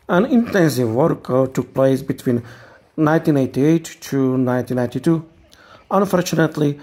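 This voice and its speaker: A man narrating scripted history as a tour guide, in a calm, measured museum-guide manner with a slightly husky voice. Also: medium pitch.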